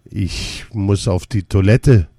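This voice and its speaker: A man's voice: medium pitch, expressive, unhurried, creaky, mellow, slightly rough, no room sound, clean studio sound, voice pushed up, heavily acted. A man voicing a confused, anxious elderly man with dementia who speaks unsure and pleading.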